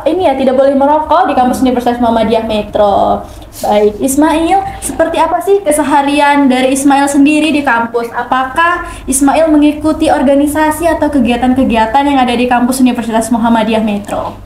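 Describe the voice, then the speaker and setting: Young female interview host, high voice, roomy recording. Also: steady tone, fairly quick, darkish tone. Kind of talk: interview hosting. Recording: echoey room with background noise.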